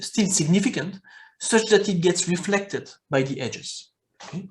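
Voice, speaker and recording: Speaking in a Belgian accent, a man talks at a high pitch, with ordinary pitch variation and a fairly slow pace. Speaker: engineering professor. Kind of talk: lecture. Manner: halting.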